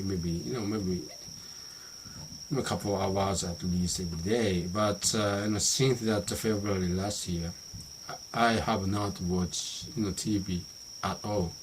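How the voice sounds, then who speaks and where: A middle-aged man from Japan with a Japanese accent, talking about how he learns English in a halting monologue full of restarts and "you know" fillers. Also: low voice, noisy background. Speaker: vlogger. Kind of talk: unscripted monologue practicing English.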